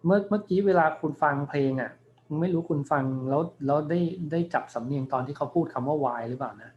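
A man's voice: a little high, darkish tone, slight background noise. Man lecturing patiently in dull lo-fi sound. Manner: explains patiently, thinking aloud with many polite particles; reads English song lyrics and words slowly for students. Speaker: university lecturer. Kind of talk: recorded online class lecture.

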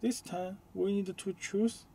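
A man who is not a native English speaker gives a step-by-step hands-on demonstration inside a car, in halting, short, simple phrases. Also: sits high, fairly even intonation, vocal fry, dark tone, a little hiss or hum. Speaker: product demonstrator.

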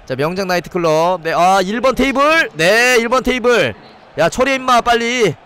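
Male game streamer, high and bouncy, stuffy with a cold, playful waiter-bit patter. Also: moderate pace, clean tone. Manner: playful, banters in a mock nightclub-waiter patter; shouts excitedly at chances on goal. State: head cold, sore throat. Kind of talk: live gameplay commentary.

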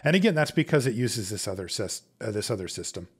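A man's voice: on the low side, big pitch swings, quick pace, husky. A man hosting a repair channel, talking through each step casually and conversationally, as if thinking aloud. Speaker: host of a watch repair channel. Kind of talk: casual step-by-step tutorial narration.

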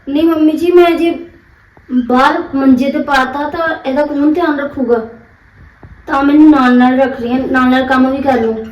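A woman's voice: sits high, fairly even intonation, normal speed, roomy sound, far from the mic, lo-fi sound, lightly acted. An actress playing a young Punjabi daughter-in-law who pleads with her mother-in-law on behalf of her baby daughter, speaking in a Punjabi accent. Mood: pleading. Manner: pleading, emotional. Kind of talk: short-film drama acting.

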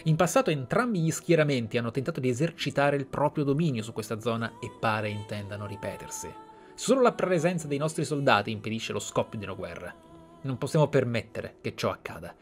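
A man's voice: mid-range voice, lively intonation, fairly quick, soft background music. An Italian man hosting a video game playthrough, reading and commenting in a theatrical, formally phrased way. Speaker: gaming video host.

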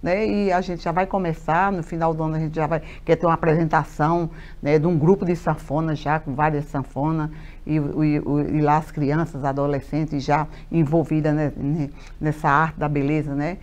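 On a lapel mic in a TV studio, a Brazilian mayor from Paraíba, a woman in her 50s, talks animatedly as a guest, gesturing plenty and leaning on fillers and repetition. Her voice is low and her speed normal.

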